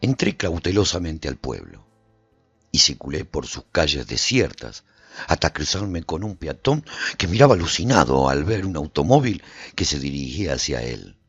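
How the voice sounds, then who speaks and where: A man with a very deep, husky voice narrates a radio drama, his pitch rising and falling with lively expression. The recording is dry and dull, with faint music underneath. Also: normal speed, no room sound. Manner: expressive storytelling.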